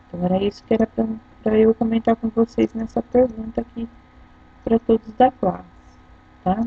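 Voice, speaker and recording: A woman's voice: medium pitch, creaky, breathy edge. A woman teacher with a Brazilian Portuguese accent, patiently explaining a lesson step by step and often checking in with her pupils. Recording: dull lo-fi recording.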